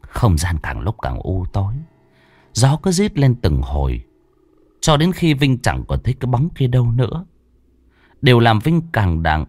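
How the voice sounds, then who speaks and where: Husky man narrating a ghost story. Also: on the low side, no room sound. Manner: slow, dramatic, hushed storytelling. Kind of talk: scripted horror story narration. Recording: dry close voice with faint music.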